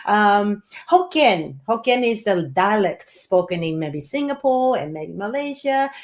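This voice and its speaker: A woman's voice: mid-range voice, expressive, measured pace. A woman in her forties whose first language is Japanese, chatting as a guest in an interview, with many fillers and frequent laughs. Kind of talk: casual interview conversation.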